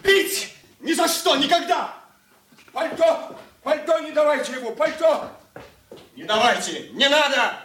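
An actor playing a stern, quick-tempered older merchant and head of a family, whose gruff talk bursts into shouting, in a radio play. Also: male voice, extremely high pitch, expressive, slight background noise, heavily acted. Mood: enraged. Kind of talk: 1980s studio radio play acting. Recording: roomy studio echo.

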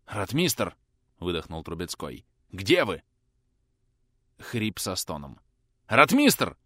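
Audiobook role: breathless young officer, read by a man, urgent, lively pitch, dry close mic. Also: slow pace, no room sound, heavily acted. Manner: gasping, urgent. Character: young Russian prince officer, desperate, breathless, male.

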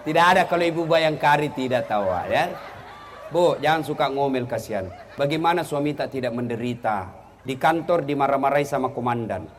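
A man preaching a humorous sermon, animated and joking, dropping to low asides and rising to high exclamations. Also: brisk, a little hiss or hum.

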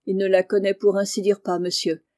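A woman voicing a poor, tender-hearted peasant mother in an audiobook, speaking softly and humbly. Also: mid-range voice, little pitch movement, brisk, lightly acted. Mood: humble. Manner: soft, humble and emotional. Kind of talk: audiobook character reading.

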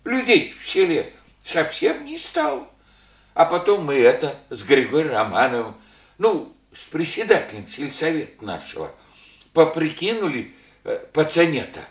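An actor playing a humble, elderly widowed village father who speaks in halting rustic phrases full of fillers. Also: on the high side, wildly swooping pitch, echoey room. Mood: rambling. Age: older. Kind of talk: archival Soviet radio play acting.

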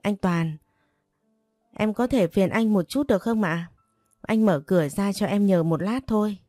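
A woman's voice: medium pitch, measured pace, dark tone, no room sound, studio quality, soft background music, natural voice. Woman doing a spoiled whiny young woman. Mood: pleading. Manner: pleading and sneering.

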